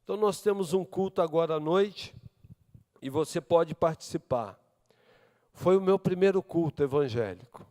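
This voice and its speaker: A man's voice: a little high, normal speed, big-room sound. Brazilian pastor telling his testimony. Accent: Brazilian Portuguese. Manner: storytelling with acted dialogue, swings from loud to hushed. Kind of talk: testimony sermon. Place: church service.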